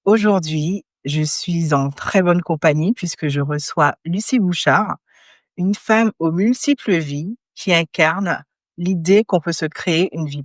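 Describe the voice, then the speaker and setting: A woman hosting a podcast, reading a clear, upbeat introduction and asking her guest questions. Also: low-pitched, no room sound, studio quality. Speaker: podcast host. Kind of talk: scripted podcast intro then interview.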